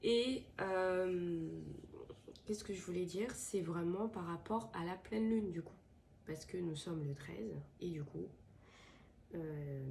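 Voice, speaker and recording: A woman talks to her viewers, her voice stuffy from a head cold. She sits a little low in pitch with a dark, mellow tone. She hesitates often and restarts her sentences, with a faint hum of background noise. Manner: hesitant, many fillers and restarts. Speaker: tarot and crystal channel host. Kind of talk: casual spoken advice to viewers. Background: washing machine running.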